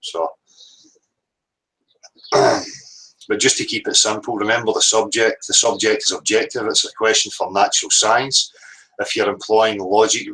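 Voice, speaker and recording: Northern Irish man, slow musing host. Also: fairly low pitch, a bit bright, poor audio. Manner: rambling and reflective, with casual swearing. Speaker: live-stream host. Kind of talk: casual live-stream monologue.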